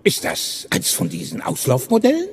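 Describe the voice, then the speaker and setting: An old, retired robot who has given up. His delivery is paternal and world-weary, pitched high with lively swings, as in a children's film audio drama. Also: moderate pace, creaky, full character voice. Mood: gruff, dismissive. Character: weary, resigned old male robot, retired idealistic inventor. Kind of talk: German film dub dialogue in children's audio play.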